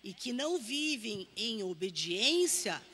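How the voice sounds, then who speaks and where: A Brazilian woman answers in a church class, speaking very slowly with a high voice that swings widely in pitch. The long reverb of a church hall surrounds her. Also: big pitch swings, pushed and bright. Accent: Brazilian Portuguese. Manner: slow, deliberate answer. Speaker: church member.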